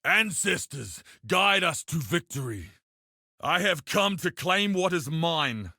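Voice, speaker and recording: Casting: proud tribal warrior for a video game, solemn and fierce, mid-pitched, slow and measured, close dry sound. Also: male voice, sing-song, pushed and bright, no room sound, exaggerated voice. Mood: fierce battle cry. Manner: solemn, declamatory, measured delivery. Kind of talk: video game character voice lines.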